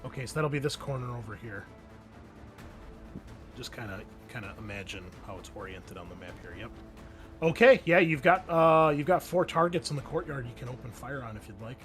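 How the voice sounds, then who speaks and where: A man's voice: medium pitch, animated, a little fast, fairly bright tone, faint music behind. A man narrating a tabletop roleplaying game as game master, describing scenes in a casual, improvised way.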